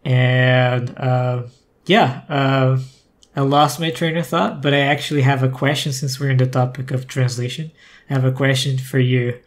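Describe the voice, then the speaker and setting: A man's voice: medium pitch, flat delivery, moderate pace. Podcast guest, male, conversational, thoughtful, frequent restarts. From Brazil. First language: Portuguese. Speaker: guest, former community manager.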